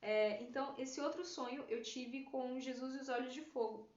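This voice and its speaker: A woman's voice: sits high, normal speed, a little mellow. A woman, a writer earnestly telling her personal dream testimony, full of fillers. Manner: earnest, heartfelt, many fillers like "né". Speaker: writer sharing prophetic dreams. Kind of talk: personal testimony, casual storytelling. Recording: roomy, slightly dull lo-fi sound.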